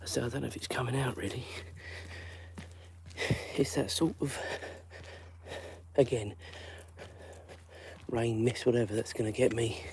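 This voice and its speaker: A man chats loosely to his live-stream viewers as he walks his dog along a drizzly residential street. His talk rambles and is full of fillers. He sits at a middling pitch, and a faint background hiss comes through. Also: fairly even intonation, measured pace, gravelly, pauses often, darkish tone. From London. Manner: rambling, chatty, lots of fillers. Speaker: vlogger walking his dog. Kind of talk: live-stream walking chat.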